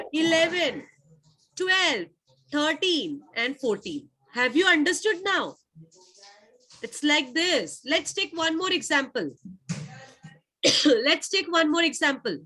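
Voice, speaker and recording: A woman's voice: sits high, lively intonation, slow, pauses often, bright, forceful tone. A woman with a South Asian accent teaching an interactive maths lesson online, repeating her questions insistently to pupils.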